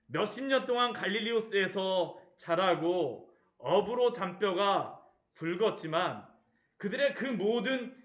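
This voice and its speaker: A man's voice: sits high, a bit bright, echoey room. A male pastor preaching a sermon, asking rhetorical questions and acting out the disciples' cries. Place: church.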